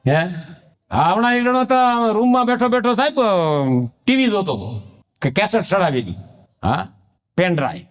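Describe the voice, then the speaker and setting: A man's voice: sits high, big pitch swings, moderate pace, long pauses. A man telling stand-up stories, chatting with the crowd and acting out lines of dialogue. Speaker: stand-up comedian. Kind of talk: Gujarati stand-up storytelling.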